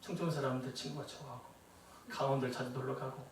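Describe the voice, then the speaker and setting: Korean pastor preaching in an echoey hall. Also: male voice, medium pitch, flat delivery, fast talker, slight background noise. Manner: conversational preaching with rhetorical questions and asides. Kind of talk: sermon. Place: church sanctuary. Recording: echoey church hall, voice from a distance.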